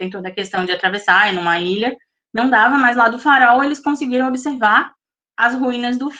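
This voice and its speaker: A woman's bright, sharp voice at a fairly quick pace with ordinary pitch variation. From Florianópolis, Santa Catarina, southern Brazil. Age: 30s. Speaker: schoolteacher. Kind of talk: online live presentation. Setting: live stream.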